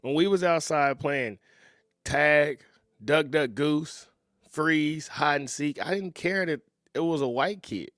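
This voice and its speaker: A man in his thirties hosting a reaction video, talking in a relaxed, conversational way and often chuckling. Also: a little high, slow pace, no echo, studio quality. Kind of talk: casual reaction commentary.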